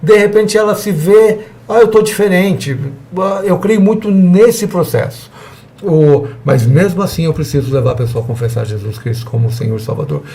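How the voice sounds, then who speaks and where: A man with a slightly high, creaky yet mellow voice speaks at normal speed as he gives a church seminar lesson on evangelism. He teaches conversationally, acting out brief dialogues with his audience.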